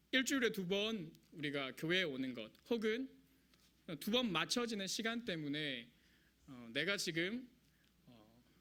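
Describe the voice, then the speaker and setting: A man's raised, projected, shaky voice, high-pitched with a bright, sharp tone, very wide pitch swings and a very slow pace. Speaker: junior pastor. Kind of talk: sermon. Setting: church with congregation. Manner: nervous, shaky delivery; halting, many fillers.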